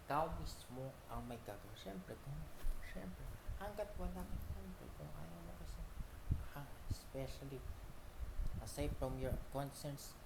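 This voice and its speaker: A man with a Filipino accent rambles in an unscripted monologue, haltingly, repeating himself and breaking off phrases. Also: fairly high pitch, expressive, creaky. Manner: halting, repetitive, with broken-off phrases. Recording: echoey room with loud background noise.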